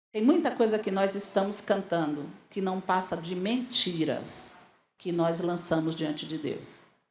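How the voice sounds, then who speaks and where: A fairly slow delivery with ordinary pitch variation and audible room echo. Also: woman, medium pitch for a woman. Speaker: guest preacher. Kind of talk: sermon.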